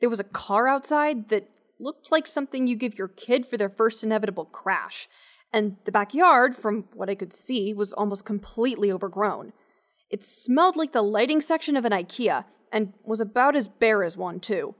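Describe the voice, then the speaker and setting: A woman's voice: mid-range voice, animated, normal speed, close to an everyday voice. An actress playing an awkward, sarcastic scientist in an audio drama, rambling and hesitant as she talks and narrates. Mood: wry, uneasy narration. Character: awkward, wry, sweary young woman scientist and cryptozoologist. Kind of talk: naturalistic audio drama acting with first-person narration.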